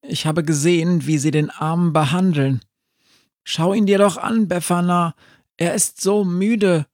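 A man playing an agitated young brother, voice pushed high, protective. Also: fairly even intonation, measured pace, no room sound, studio quality.

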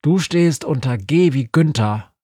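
A man's voice: on the high side, lively intonation, a little slow, a little mellow, slightly rough, no echo, clean studio sound, voice pushed up. A man voicing a grumpy, stubborn old female Christmas witch. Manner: cranky, stubborn.

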